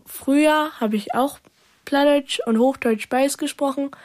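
A woman's voice: high voice, unhurried, a little mellow. Chatty teenage girl, northern German accent. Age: teens. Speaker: studio guest, radio drama voice actor. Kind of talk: casual interview answers.

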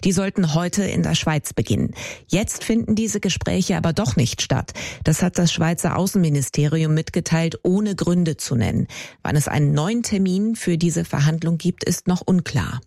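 A newsreader delivering a radio news bulletin in a measured, formal way. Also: mid-range voice, animated, gravelly, darkish tone, no echo, clean studio sound.

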